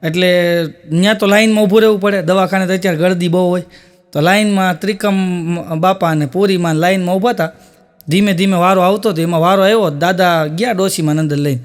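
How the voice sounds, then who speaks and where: A man telling folksy comic stories in a Gujarati accent, unhurried and slowing down for the punchlines. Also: sits high, fairly even intonation. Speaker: stand-up comic.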